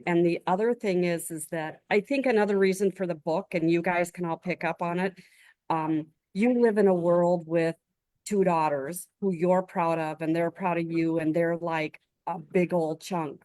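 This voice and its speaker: A woman's voice: fairly low pitch, normal speed, darkish tone, no room sound. A woman co-hosting a video-call chat, talking in a joking, chatty way. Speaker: co-host. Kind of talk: casual chat.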